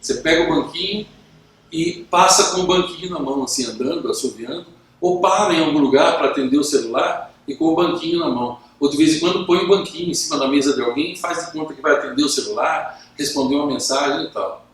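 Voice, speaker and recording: Man, Brazilian business coach, calm even tone, slightly high voice, very echoey room. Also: fast talker, distant mic. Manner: acts out both sides of dialogues. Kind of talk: instructional talk to camera.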